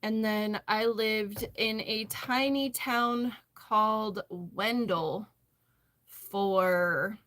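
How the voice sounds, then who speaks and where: Slow-paced American woman, casual livestream chat. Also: medium pitch, a bit bright. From western Massachusetts, United States. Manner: chatty, reading and answering viewer comments. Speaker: livestream host, crocheter.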